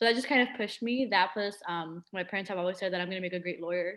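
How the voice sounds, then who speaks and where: A woman's medium-pitched voice comes through against a quiet background. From California Central Valley (Delano), born in Sinaloa, Mexico. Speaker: university student. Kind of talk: panel discussion. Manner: fast.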